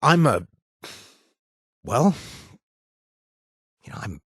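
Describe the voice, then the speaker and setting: An actor playing a gruff but awkward, loyal wasteland bartender in a video game, with a husky voice and a halting, casual delivery. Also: male voice, mid-range voice, big pitch swings, no echo, studio quality, full character voice. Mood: nervous, awkward. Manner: halting, stammering, casual and self-deprecating. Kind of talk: naturalistic video game dialogue.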